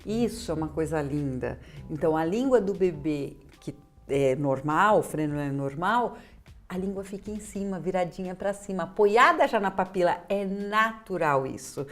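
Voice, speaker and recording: A woman's voice: fairly low pitch, expressive, moderate pace, soft background music. Brazilian woman explaining in conversation. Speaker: interviewer and speech therapy specialist. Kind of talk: conversational expert discussion.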